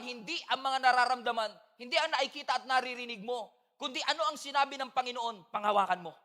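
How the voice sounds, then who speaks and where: A man preaching a sermon as a pastor, swinging between loud emphatic passages and soft confiding ones. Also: high voice. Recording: long hall reverb.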